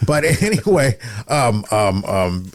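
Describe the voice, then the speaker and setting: A man's voice: medium pitch, big pitch swings, slow. A middle-aged American man chatting casually as a podcast host, with a rambling, wry, self-deprecating manner. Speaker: radio broadcaster, podcast co-host. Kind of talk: casual chat.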